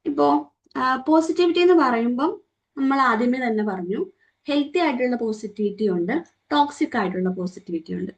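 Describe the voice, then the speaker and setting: A woman's voice: high voice, animated, brisk. A young woman with a Malayali accent leads a group training session, asking the listeners questions and acting out quoted remarks. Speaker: trainer leading a morning session. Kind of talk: interactive talk to a group.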